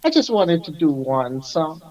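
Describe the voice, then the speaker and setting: An older man, a music artist recalling his career in an unhurried, reflective way as a radio guest. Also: on the high side, sing-song, darkish tone, dull audio. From Jamaica. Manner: unhurried, reflective, laughs often. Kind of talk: radio interview.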